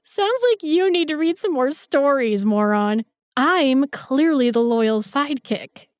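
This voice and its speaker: A woman's voice: high voice, animated, measured pace, a little mellow, no room sound. A woman playing a feisty, sarcastic young sidekick in a fantasy audio drama, slangy and defiant. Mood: snarky.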